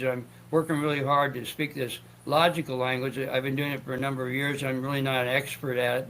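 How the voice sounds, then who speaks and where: Gravelly stammering male talk host. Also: medium pitch, pushed and bright, slight background noise, low-quality recording. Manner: stammering, restarts often; joking asides. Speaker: show host. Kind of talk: rambling esoteric talk.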